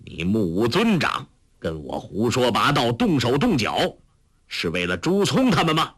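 A man's voice: mid-range voice, wildly swooping pitch, a little slow, fairly bright tone, breathy edge, full character voice. A man voicing a proud, eccentric older male martial master in a storybook, haughty and given to mocking laughter. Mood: demanding.

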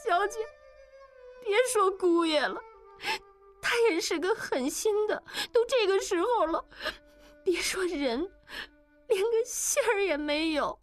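A woman putting on a young maid in a storybook drama, high and tearful, pleading with her mistress. The voice is bright-pitched and lively. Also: takes it slowly, long pauses, soft background music, exaggerated voice.

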